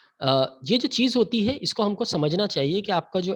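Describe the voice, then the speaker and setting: A man speaks with very wide pitch swings. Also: dry, close sound with no echo. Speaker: pharmacy college academic head giving training. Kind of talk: online training lecture. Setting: online session. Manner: mixes Hindi and English with fillers.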